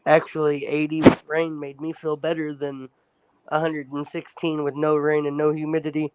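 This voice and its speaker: A man's voice: fairly high pitch, completely flat delivery, normal speed, background noise. A man chatting as a guest on a livestream, speaking steadily and matter-of-factly. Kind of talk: casual chat.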